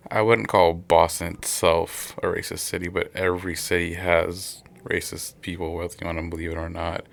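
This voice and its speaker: A man's voice: low-pitched, little pitch movement, normal speed, creaky. A man giving his casual opinion as an interviewee.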